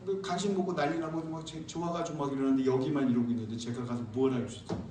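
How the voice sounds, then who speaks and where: A male pastor preaching a sermon, telling a lively story and acting out church members. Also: medium pitch, racing, background noise. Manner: animated, acts out church members and sings hymn lines. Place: church sanctuary. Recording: echoey church hall, mic from far off.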